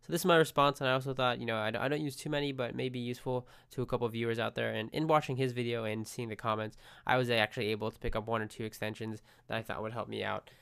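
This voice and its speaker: An American tech vlogger with a head cold chats casually over a screen recording, sounding congested. His mid-range voice is steady, creaky, slightly bright and clean, and he talks rapid-fire with few pauses. He's chatty and friendly, often restarting sentences and tossing in asides.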